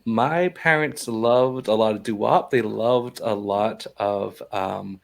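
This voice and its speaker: A man's voice: fairly low pitch, slow pace, creaky. A man from Hawaii, a guest musician, answering interview questions in an easygoing, modest way. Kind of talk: casual interview chat.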